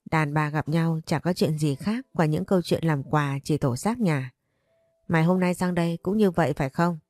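A woman voicing a gruff old father who grumbles dismissively. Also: low voice, moderate pace, darkish tone, no room sound.

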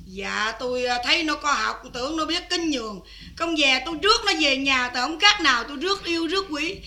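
An actress playing an older, loud, scheming village mother-in-law in a Vietnamese cải lương stage drama, wailing and shouting. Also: high-pitched, lively intonation, a little fast, full character voice. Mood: pleading. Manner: wailing, shouting, theatrical crying.

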